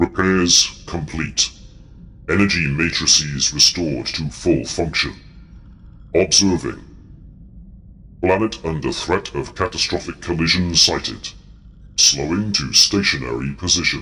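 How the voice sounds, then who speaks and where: Over clear background noise, a man uses a booming, put-on character voice of very deep, low pitch, moving at a moderate pace with long, frequent pauses. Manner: robotic, formal.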